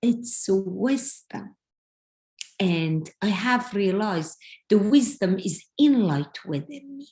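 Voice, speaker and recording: Very slowly and with big swings in loudness, a woman with an Iranian accent speaks at a medium pitch, her somewhat breathy voice dark and mellow in tone and her intonation lively. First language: Farsi. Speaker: professional speaker and workshop co-host. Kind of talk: personal testimony in a workshop. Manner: halting.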